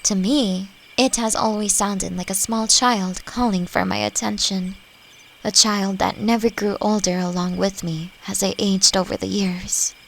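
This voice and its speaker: A woman playing a friendly, playfully teasing elf who teaches magic, speaking gently and reflectively in a roleplay audio drama. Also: mid-range voice, fairly even intonation, measured pace, gravelly, a little hiss or hum, rough recording. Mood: thoughtful, gentle. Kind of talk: scripted roleplay audio drama addressed to the listener.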